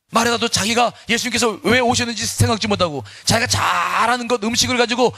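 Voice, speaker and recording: A male pastor preaches a sermon in an animated, storytelling manner with dramatic pauses. His voice is fairly high and husky. His intonation leaps up and down with lively energy. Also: dry recording, clean studio sound.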